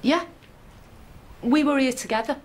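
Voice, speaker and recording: An actress playing a defensive, hard-tempered middle-aged mother in a TV drama, with a sharp, scolding manner. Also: high voice, measured pace. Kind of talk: naturalistic TV drama acting.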